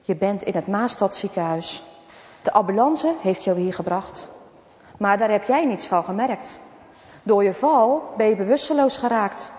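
A woman voicing a kind, gentle hospital nurse who talks soothingly to a patient. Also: mid-range voice, a little slow, natural voice. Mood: reassuring. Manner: soothing, reassuring. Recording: dull, echoey recording.

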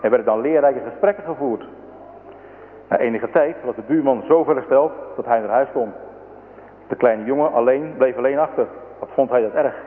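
A man's voice: medium pitch, moderate pace. Man, solemn religious story narration, preaching tone, tinny radio, long reverb. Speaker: story reader. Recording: thin echoing radio broadcast.

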